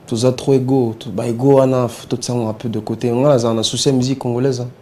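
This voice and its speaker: A male musician talks loosely in an interview, pausing and restarting as he thinks, with Lingala words mixed into his sentences. His voice sits in an ordinary middle register. A faint hiss of noise runs underneath. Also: mid-range voice. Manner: relaxed, hesitant, mixing in Lingala words. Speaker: musician guest. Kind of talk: casual interview talk.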